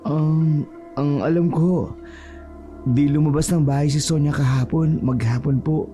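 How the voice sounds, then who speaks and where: A man's voice: fairly high pitch, fairly even intonation, measured pace, dark tone, soft background music, close to an everyday voice. Man playing a hesitant young village man. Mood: worried. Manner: respectful, hesitant.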